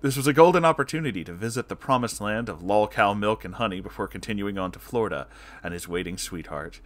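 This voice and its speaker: A man with a fairly low voice narrates a written story. He reads comic horror prose in a dramatic, scripted storytelling style. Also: animated, quick pace.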